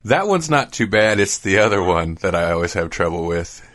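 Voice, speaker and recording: A man's voice: deep voice, big pitch swings, moderate pace, fairly bright tone. A man hosting a radio interview in a casual, informal, laid-back way. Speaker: radio show host.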